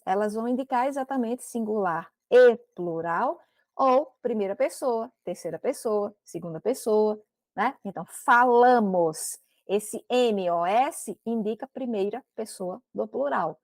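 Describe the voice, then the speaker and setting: Brazilian woman teacher, clear explainer. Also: a little high, unhurried, no echo. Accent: Brazilian Portuguese. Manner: explains step by step, with frequent checking "né?" and "ok?". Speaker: Portuguese language teacher. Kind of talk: recorded grammar lesson.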